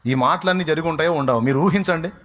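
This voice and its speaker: A man's voice: fairly high pitch, quick pace, fairly bright tone. A man pastor delivering a dramatic sermon full of rhetorical questions and emphatic repetition.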